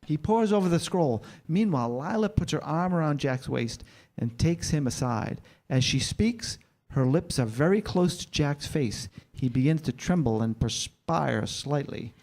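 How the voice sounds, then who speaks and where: Higher-pitched man reading stage directions. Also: lively intonation, a little slow, darkish tone. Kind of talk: scripted narration at a staged reading.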